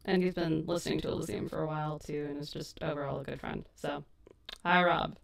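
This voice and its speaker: A woman's voice: low-pitched, steady tone, fairly quick, gravelly. A woman hosting a casual editing livestream, chatty and self-deprecating, laughing often. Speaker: audio drama creator and host. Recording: echoey stream mic from a distance.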